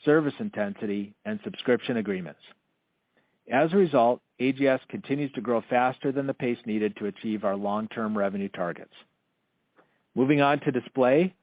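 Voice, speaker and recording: A man reading a scripted earnings presentation as a company executive, in a formal, measured corporate manner. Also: on the low side, no room sound. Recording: narrow, dull conference-call audio.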